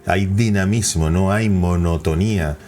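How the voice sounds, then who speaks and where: A man teaching persuasive speaking, changing his pitch and pace to stress his points. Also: measured pace. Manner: lively, varies pitch and pace for emphasis. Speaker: communication coach. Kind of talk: instructional talk on persuasion.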